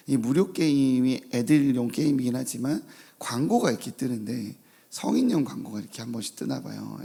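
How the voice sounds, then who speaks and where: A man preaching an early-morning sermon in a church, with a mellow, gravelly voice and a husky edge. He reads scripture in a slow, measured cadence. Then he slips into easygoing, anecdotal storytelling. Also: mid-range voice. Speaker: pastor. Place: church sanctuary with congregation.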